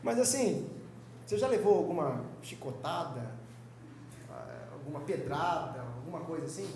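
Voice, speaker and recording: A young man with a Brazilian Portuguese accent teaching a Sunday school sermon in a lively, joking, conversational way. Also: fairly high pitch, normal speed, gravelly, echoey room, a little hiss or hum. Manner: lively, joking, conversational preaching with quoted voices. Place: church hall.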